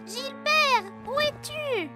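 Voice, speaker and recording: An actor voicing an excitable, dramatic four-year-old boy in a French children's cartoon dub. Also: very slow, over loud music, heavily acted. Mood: worried. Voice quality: high, childlike. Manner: dramatic, exclaiming.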